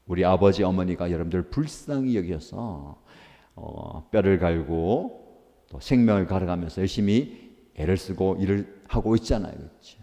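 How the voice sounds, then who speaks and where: A pastor delivers a devotional sermon in a low, mellow male voice. He leans into earnest emphasis and answers his own rhetorical questions. The sound carries the long reverb of a church hall. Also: lively intonation, normal speed, gravelly. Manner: asks rhetorical questions and answers them himself.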